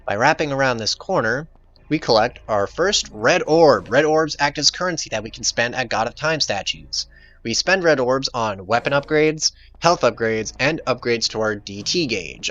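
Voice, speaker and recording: A man with a medium-pitched, bright and forceful voice hosts a video game playthrough. He commentates casually, with a wry, jokey, informal manner. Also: highs cut off. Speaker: video game let's play host.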